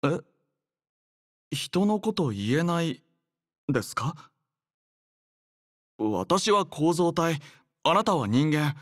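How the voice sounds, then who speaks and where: A male voice actor playing a composed, dutiful young android squad leader in an anime game, speaking politely and formally with measured, gentle care. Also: a little high, expressive, dry recording, clean studio sound, full character voice. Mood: gently concerned. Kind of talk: anime game character voice lines.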